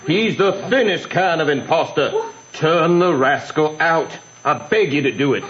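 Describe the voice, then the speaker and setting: An actor playing a stern, iron-jawed, indignant country doctor in a radio drama, blunt and accusing. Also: male voice, on the high side, lively intonation, unhurried, fairly bright tone, slight background noise. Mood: stern warning. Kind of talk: old-time radio drama acting. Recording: muffled old radio recording.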